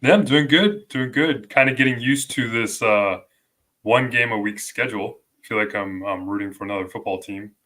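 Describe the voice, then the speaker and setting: A man's voice: mid-range voice, normal speed, bright, forceful tone. A man co-hosting a hockey podcast, talking in a laid-back, easygoing way. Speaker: podcast co-host. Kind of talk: casual podcast chat.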